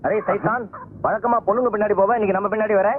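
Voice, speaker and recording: A man plays a wisecracking village repairman who teases his friends and drops in Hindi words. His voice sits very high and the lines come out quickly. The sound is thin and phone-like with a faint hiss, like an old film track. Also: steady tone, natural voice. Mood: joking. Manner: teasing, quizzing, sprinkles in Hindi words. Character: cheeky village puncture-shop man, wisecracking. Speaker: bicycle puncture repairman.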